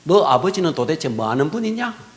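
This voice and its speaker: A man's voice: on the high side, very animated, fairly quick. A man voicing a harsh old-fashioned male schoolteacher berating a pupil. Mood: scolding. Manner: scolding, berating.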